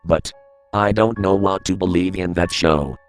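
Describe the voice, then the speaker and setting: A man narrating a creepypasta horror story in a steady, grave reading voice. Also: low voice, measured pace, smooth, soft background music.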